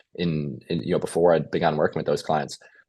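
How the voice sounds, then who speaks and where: Very fast male speech in an Irish accent against a quiet background. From southeast Ireland. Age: 20s. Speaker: marketing agency owner. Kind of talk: podcast interview.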